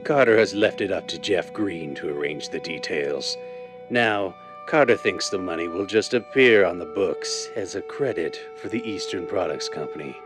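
A man's voice: low voice, lively intonation, normal speed, over music. A man playing a commanding, calculating crime boss in a 1930s-style radio drama. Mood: cold, commanding. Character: shrewd blind male crime boss giving orders.

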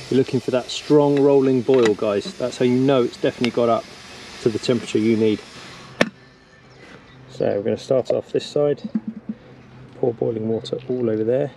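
A man's voice: mid-range voice, dark tone, a little hiss or hum. A man in his thirties giving an upbeat, practical outdoor how-to lesson as a bushcraft instructor, speaking on an action camera in the woods and a cabin. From England. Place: woodland camp and wooden cabin.

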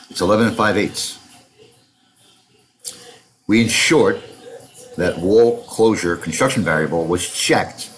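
A middle-aged man with a New York accent walks through a software tutorial in a fairly low voice. His pitch swings widely as he talks. He rambles into side remarks and often repeats words. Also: a little hiss or hum, poor audio. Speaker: software instructor. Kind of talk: screen-recorded software tutorial.

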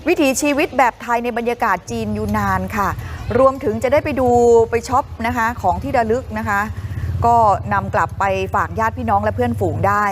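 Upbeat woman tv host chatting to viewers about travel clips, kinda high voice. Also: fairly quick, slight background noise. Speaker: news show co-host. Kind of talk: casual live TV chat over travel footage.

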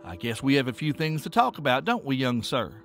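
A soft, reassuring country woman, as a male narrator puts her on in a storytelling podcast. The voice is gravelly and low-set, with quiet music underneath. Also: big pitch swings, fairly quick. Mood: gentle, reassuring. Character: gentle kindly Appalachian countrywoman, middle-aged.

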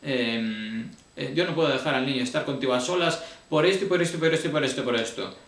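A man's voice: medium pitch, quick pace, a bit bright, roomy sound, far from the mic, natural voice. A man mockingly imitating a dismissive mother in a raised, whiny voice. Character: shrill dismissive mother, grown woman.

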